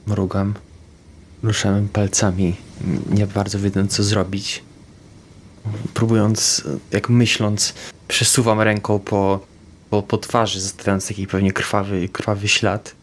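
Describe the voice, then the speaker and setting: Lower-voiced man, halting player. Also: monotone, slight background noise. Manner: halting, describes his actions in first person. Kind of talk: first-person roleplay in a tabletop game.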